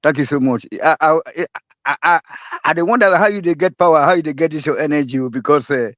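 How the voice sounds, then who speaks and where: A man with a fairly high voice and a Nigerian accent, sliding into Pidgin as he rambles and laughs. He talks on emphatically and repeats himself. The audio is dull and lo-fi, with a dry, close sound. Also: fast, a bit bright, no room sound. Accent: Nigerian, Pidgin-inflected. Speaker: caller in a live audio room. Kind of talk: casual live-room chat.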